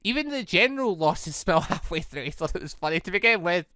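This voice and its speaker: A bright, forceful let's-play host with a very lively, swooping delivery. The commentary rambles excitedly between stretches of reading aloud, and the sound is close and dry. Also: mid-range voice, quick pace, dry recording. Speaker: host playing and reading a visual novel.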